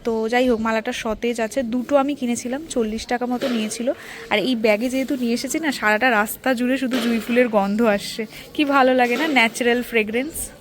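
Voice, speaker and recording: A woman chats to her viewers in a casual vlog, her voice sitting a little high. She talks directly to the audience. The outdoor temple recording carries a steady hiss of noise. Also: a little fast. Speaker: vlogger.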